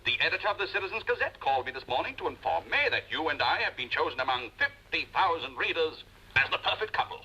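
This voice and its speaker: Brief: pompous husband in a vintage TV drama, bright high voice, huge swoops, grand speechmaker. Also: male voice, very animated, fast talker, lo-fi sound, exaggerated voice. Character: pompous self-satisfied husband, fond of speeches. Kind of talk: 1950s television drama acting.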